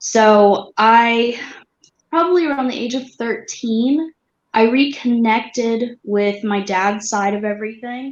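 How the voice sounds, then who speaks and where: This is a plain, everyday voice with an American accent. It moves at a fairly slow pace with ordinary pitch variation. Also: woman, fairly high pitch for a woman. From California. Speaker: witch, interviewee. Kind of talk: interview.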